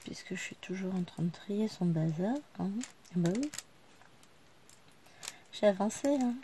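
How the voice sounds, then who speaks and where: With a medium pitch, lively intonation and a measured pace, a woman in her thirties chats to the camera as she crafts at home. The vlog has a quiet, chatty feel in her living room, with slight background noise.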